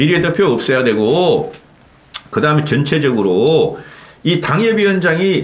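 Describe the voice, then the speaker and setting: An animated man's lively intonation at a fairly slow pace, with audible room echo. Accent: Gyeongsang. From Gyeongsang region, South Korea. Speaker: political commentary YouTuber. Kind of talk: political commentary monologue. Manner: animated, frequent interjections.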